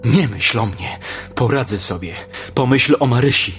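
A man's voice: mid-range voice, expressive, moderate pace, fairly bright tone, faint music behind, lightly acted. A man voicing a frightened father who urgently pleads with his wife, as an audiobook character voice.

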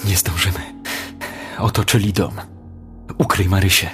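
A frightened father who urges his family to flee, as a man reading the story puts him on. The voice sits low and pleads in a tense rush, with soft music drifting underneath the storybook reading. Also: steady tone, normal speed, close to an everyday voice. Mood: urgent. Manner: urgent, pleading. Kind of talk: audiobook character voice.

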